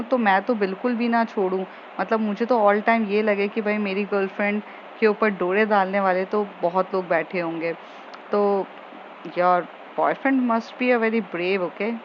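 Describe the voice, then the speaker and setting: A woman casually retelling a romantic story scene by scene, quoting the characters' lines, with frequent fillers. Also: medium pitch. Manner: chatty, retells scenes with quoted dialogue and fillers. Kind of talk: casual spoken story recap. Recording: dull lo-fi audio with faint noise.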